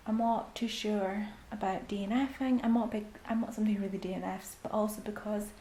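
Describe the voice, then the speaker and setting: Young Scottish woman vlogger, relaxed mellow chatter with ums and soft near-whispers, in a roomy space. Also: medium pitch, brisk. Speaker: book vlogger. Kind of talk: casual reading vlog. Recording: echoey room with faint background hiss.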